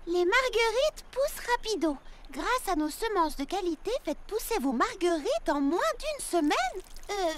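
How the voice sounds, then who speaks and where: A woman voicing a cheerful, eager young girl baker in a children's cartoon, with expressive, exclamatory delivery. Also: very high-pitched, unhurried, hardly any pauses, background noise, full character voice. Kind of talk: French-language children's cartoon dubbing. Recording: loud music under the voice.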